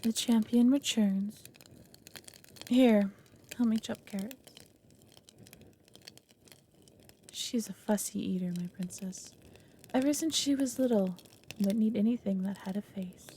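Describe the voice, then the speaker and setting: A woman's voice: mid-range voice, a little slow, mellow, slight background noise, close to an everyday voice. A woman playing an ancient, proud and lonely dragon, speaking solemnly in a dramatic audio roleplay. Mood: wry, fond. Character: ancient lonely female dragon, proud, brooding, reluctant foster mother.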